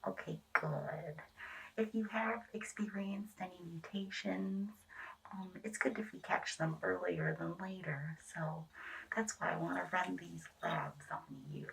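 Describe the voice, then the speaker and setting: A gentle, eccentric lady doctor, acted by a woman examines a patient for monster mutations in an ASMR roleplay. Her voice is low and hushed, with a creaky edge, and she takes her time with careful reassurance. It sounds a little distant from the mic. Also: fairly even intonation, full character voice. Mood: soothing, careful. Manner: hushed, hesitant, reassuring, unhurried. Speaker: ASMR performer playing a medical examiner. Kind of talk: ASMR medical roleplay, soft whispering and murmuring.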